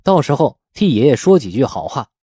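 A man's voice: mid-range voice, big pitch swings, brisk, dark tone, husky, dry recording, clean studio sound. A man narrating a novel as a scripted, dramatic audiobook.

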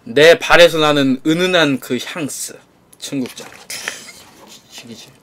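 A middle-aged man hosting an eating show, talking casually in a relaxed mutter right after sipping soup. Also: a little high, measured pace. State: just sipped soup. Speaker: mukbang host.

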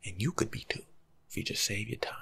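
A young American man giving casual, slangy life-coach advice in an ASMR monologue, breathy and often dropping to a whisper. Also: lowish voice, fast, pushed and bright. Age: young adult. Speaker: ASMR video creator. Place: small room at home, indoors.

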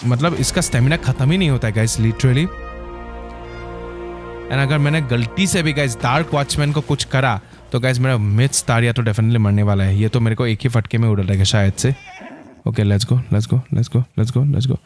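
Excitable male gameplay commentator. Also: medium pitch, normal speed, faint music behind. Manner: excitable, keeps saying "guys". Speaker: gaming channel host.

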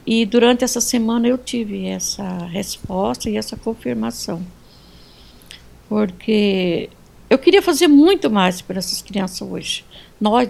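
A woman's voice: a little high, creaky, a little mellow. A woman who owns an atelier, giving an earnest speech of thanks indoors and sprinkling it with religious phrases. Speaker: atelier owner, guest.

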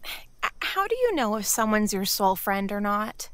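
A woman's voice: medium pitch, big pitch swings, measured pace, fairly bright tone, smooth, no room sound. An actress playing a naive, wounded young woman, plaintive and earnest, in an audio drama. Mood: hurt.

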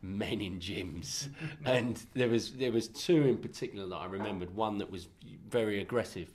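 Deep-voiced congested man. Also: moderate pace, a little mellow. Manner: rambling, many restarts and laughs. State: congested from a cold. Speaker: filmmaker being interviewed. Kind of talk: casual press interview. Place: festival press room, indoors. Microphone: handheld mic held by interviewer.

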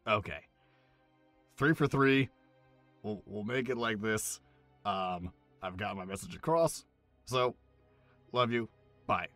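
A man's voice: on the low side, slow pace, pauses often, a bit bright, dry recording, faint music behind. An actor playing a goofy male train conductor leaving a rambling, self-deprecating voicemail.

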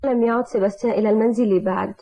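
A woman's voice: on the high side, fairly even intonation, rapid-fire, dark tone. A woman voicing a worried, headstrong young woman in an Arabic cartoon dub, speaking urgently and pointedly. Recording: dull old TV dub soundtrack.

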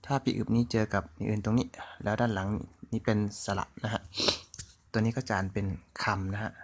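A man with a Thai accent giving a relaxed, chatty language lesson, repeating sounds as he writes them out. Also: fairly low pitch. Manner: slow, chatty, repeating sounds while writing on a board. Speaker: language teacher. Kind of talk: casual online language lesson.

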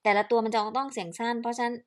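A woman's voice: on the high side, fairly even intonation, rapid-fire. A woman teaching Japanese pronunciation in a casual, playful lesson, quizzing her listeners as she goes.

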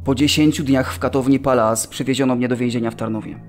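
A man's voice: medium pitch, fairly even intonation, fast talker, lightly acted. An actor playing an officer cadet held as a political prisoner, recounting his arrest in a dramatized audio testimony. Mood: grave recounting. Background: music.

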